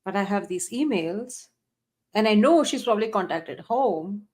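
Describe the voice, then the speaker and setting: A woman's voice: medium pitch, animated, measured pace, darkish tone. A woman co-hosting a casual commentary show, reacting briefly and informally to recordings. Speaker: podcast co-host.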